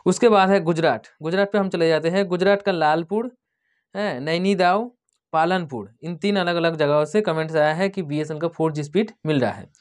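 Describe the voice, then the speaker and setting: A man's voice: on the high side, a little fast. A man from India hosting a tech channel, casually going through viewer comments, spelling out place names letter by letter and often repeating "okay".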